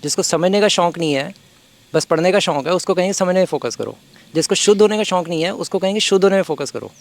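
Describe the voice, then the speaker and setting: Higher-pitched male devotee putting earnest questions to a teacher. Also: lively intonation, fast, creaky.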